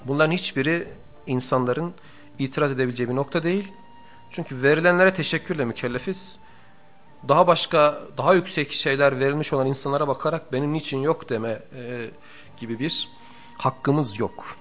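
A middle-aged man giving a religious lecture on the radio, explaining points in a measured way and stacking up lists and repetitions for emphasis. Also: medium pitch, a bit bright. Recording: radio archive with faint music.

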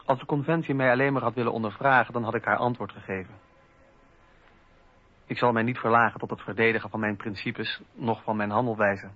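An actor playing a dignified, formal French revolutionary philosopher who is persecuted, in a radio play. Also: male voice, mid-range voice, steady tone, brisk, lightly acted. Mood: proud, indignant. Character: dignified persecuted male French philosopher-politician defending his principles. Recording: slightly dull radio recording.

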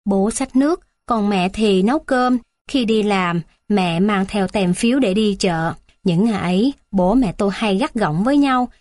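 A woman narrating a children's story in a steady, plain reading voice. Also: medium pitch, dry recording, clean studio sound.

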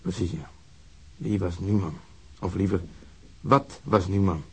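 Blunt police detective, husky low voice. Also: male voice, steady tone, unhurried, a little mellow, heavily acted. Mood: probing. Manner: blunt, emphatic, swearing. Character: blunt, hard-nosed, insistent Swedish police detective. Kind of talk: Dutch radio drama acting.

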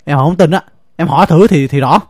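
An actor with a Southern Vietnamese accent playing a timid husband who pleads in a flustered way in an audio drama. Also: male voice, on the high side, fairly quick, a little mellow, no echo, clean studio sound, natural voice. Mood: pleading. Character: harried timid husband caught between two women.

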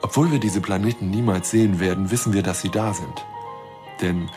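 An actor playing a lonely, shy, trusting astronomer in an intimate radio drama monologue, speaking haltingly and earnestly. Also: male voice, low-pitched, music in the background, natural voice. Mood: earnest, tentative.

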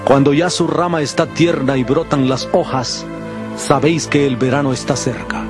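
A man playing Jesus as a solemn, measured teacher warning his disciples in a dramatized audio Bible. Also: mid-range voice, fairly even intonation, over music, close to an everyday voice. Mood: urgent, prophetic.

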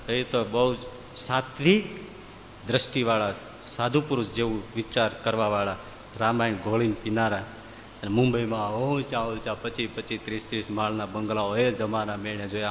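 A man, telling humorous devotional stories to a hall in a lively, folksy way. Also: lowish voice, moderate pace, slight background noise. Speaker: folk storyteller.

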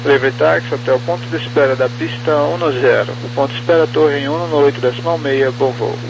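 A man's voice: fairly high pitch, fairly even intonation, fairly quick. A man working as a ground controller, giving procedural taxi instructions over a crackly, muffled radio. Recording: dull crackly radio, clear hum.

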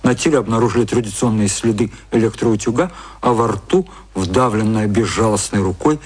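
A man narrating a literary radio play in a measured storytelling style. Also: on the low side, a little mellow, husky.

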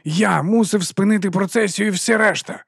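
Petty official for a storybook: shrill, bossy, scolding, done by a man reading. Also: normal speed, gravelly, breathy edge, dry recording, clean studio sound, full character voice. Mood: coldly commanding. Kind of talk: audiobook character voice.

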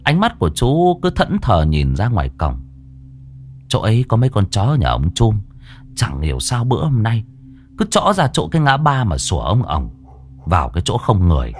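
A man narrating a ghost story in a lively, expressive way. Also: lowish voice, moderate pace.

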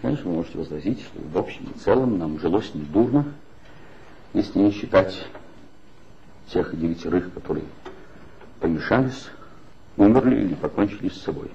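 An actor playing a bitter, ironic former magazine writer in a 1960s radio play, speaking in a measured, wry way. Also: male voice, low-pitched, animated, creaky, mellow. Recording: dull old 1960s radio recording with faint hiss.

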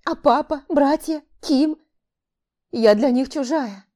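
A young heroine from a fantasy novel, as the woman narrating puts her on, pleading in a raised, emotional voice that climbs higher than her storytelling tone. The timbre stays mellow and soft-edged even as she presses. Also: unhurried. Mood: distraught. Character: young heroine, frightened and indignant. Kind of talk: audiobook character voicing.

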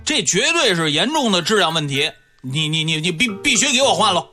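A man playing an excitable neighborhood helper who fusses with loud exclamations in a radio comedy drama. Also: high-pitched, brisk, exaggerated voice. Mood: indignant. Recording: radio drama with music bed. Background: music.

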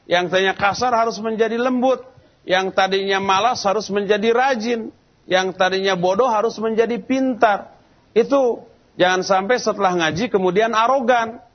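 A man's voice: high-pitched, moderate pace, dull audio. A man preaching in a mosque in a colloquial, storytelling style, acting out the people he quotes. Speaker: Islamic preacher. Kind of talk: sermon. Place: large mosque lecture hall.

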